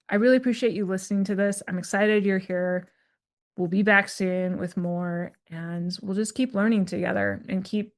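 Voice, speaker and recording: A woman hosting her own solo career podcast, talking in a chatty, candid way with many asides and fillers. She calls herself a bit introverted. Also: medium pitch. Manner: self-described introvert. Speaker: podcast host and career coach.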